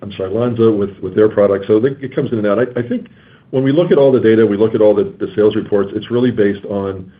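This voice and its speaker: A man answering questions off the cuff as a company executive, haltingly and with repeated words. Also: on the low side. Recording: narrow, phone-like call line.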